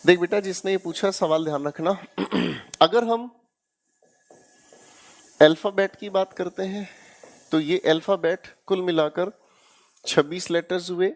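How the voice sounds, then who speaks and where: Speaking high-pitched and unhurried with long pauses, an Indian-accented man coaxes students through English grammar in an online exam-prep lecture, again and again asking "haan ya na?" and "theek hai beta?" to make sure they follow.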